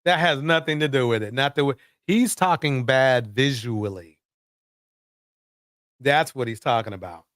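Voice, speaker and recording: A man's voice: mid-range voice, unhurried, a bit bright, no echo, clean studio sound. A man hosting a reaction show, commenting casually and repeating himself for emphasis, often with a chuckle.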